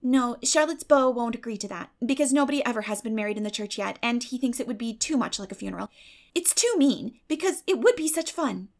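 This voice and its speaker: A woman voicing a lively, blunt young girl in an audiobook, eager and emphatic. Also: on the high side, fairly quick. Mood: excited, teasing. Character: lively young girl, excited bearer of news, bluntly indignant. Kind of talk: dramatic audiobook character reading.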